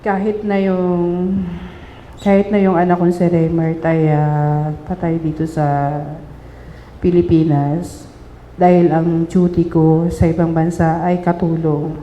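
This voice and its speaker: Middle-aged Filipina woman, witness, mellow halting testimony, echoey hall with faint room noise. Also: on the low side, level tone, lo-fi sound. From Philippines. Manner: halting, many restarts and fillers, polite "po". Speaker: witness giving public testimony. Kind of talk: emotional personal testimony. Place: large public hall.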